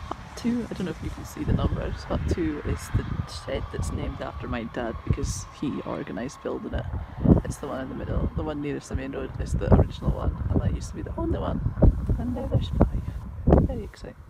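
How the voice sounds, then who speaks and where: A vlogger from Shetland, Scotland, with a Shetland Scots accent, chats casually in a wry, understated, rambling way. Her low voice swings widely in pitch and moves briskly, and the recording is very noisy.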